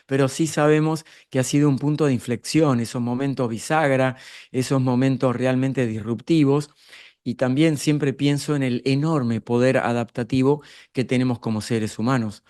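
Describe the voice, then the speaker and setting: A man's voice: medium pitch, fairly even intonation, normal speed, a little mellow. Argentine man giving a live leadership talk. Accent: Argentine Spanish. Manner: explanatory, addresses the audience directly with rhetorical questions. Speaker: speaker on leadership and emotional intelligence.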